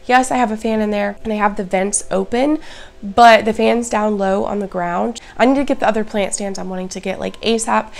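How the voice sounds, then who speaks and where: A chatty woman with a hoarse, raspy voice and plenty of gravelly fry running through it. She talks through a casual home vlog, upbeat and speaking straight to her viewers at a middling pitch. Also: fairly even intonation, a little fast. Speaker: plant vlogger. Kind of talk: casual show-and-tell vlog.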